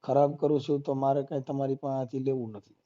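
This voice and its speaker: A man with a Gujarati accent argues hotly over the phone, his medium-pitched, warm voice moving fast but flat. He stays insistent and combative, driving his points home with one rhetorical question after another. The call is muffled and lo-fi.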